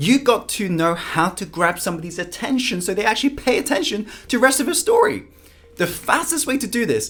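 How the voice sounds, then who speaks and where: A man in an animated tone, with very wide pitch swings and a fairly quick pace. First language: not English. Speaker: motivational speaker and speaking coach. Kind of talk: motivational tutorial.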